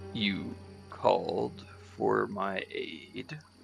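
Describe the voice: A man puts on a character voice, fairly low and resonant. Clear music plays in the background.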